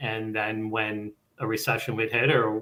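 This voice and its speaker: A medium-pitched man speaks with a slight Canadian accent. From Canada, Windsor Ontario. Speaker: software company founder. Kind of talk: casual chat.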